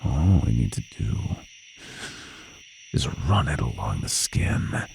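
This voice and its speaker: An extremely low, heavily creaking monster taunts its human prey in a horror ASMR roleplay. It is sadistic and playful, slipping into breathy whispers as it savors each menacing line, with clear noise behind the voice. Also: male voice, big pitch swings, slow pace, exaggerated voice. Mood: gloating, playful menace. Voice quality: gravelly, breathy, often whispering.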